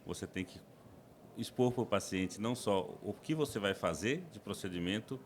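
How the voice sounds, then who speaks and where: A man with a low voice, from the São Paulo interior, speaks as a podcast guest. He explains procedures step by step, often restarting his sentences. A faint background ambience sits under his voice. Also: normal speed, a little hiss or hum. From interior of São Paulo state, Brazil. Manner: explains plainly with frequent restarts and fillers. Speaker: endoscopist guest.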